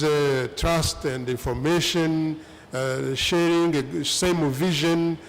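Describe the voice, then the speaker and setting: Halting gravelly man on a panel. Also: on the high side. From East Africa, Great Lakes region. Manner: halting, many fillers and restarts. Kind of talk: conference panel answer.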